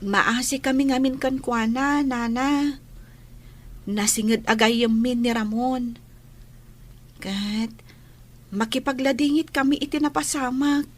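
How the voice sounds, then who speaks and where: A woman's voice: high voice, steady tone, slow pace, pauses often. A woman playing a sympathetic teenage schoolgirl and loyal classmate in an audio drama, earnest and youthful. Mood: consoling. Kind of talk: Ilocano radio-style drama acting.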